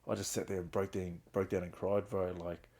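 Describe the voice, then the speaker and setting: Casting: middle-aged New man, earnest guest, flat low delivery. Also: brisk. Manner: earnest, open, speaks of hard times with emotion. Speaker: guest, founder of a reintegration trust. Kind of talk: candid personal storytelling.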